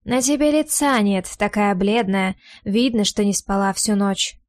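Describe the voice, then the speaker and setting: A woman's voice: mid-range voice, unhurried, darkish tone, lightly acted. A woman reading an audiobook voices a smug male office boss who teases his secretary with a sly, mocking edge.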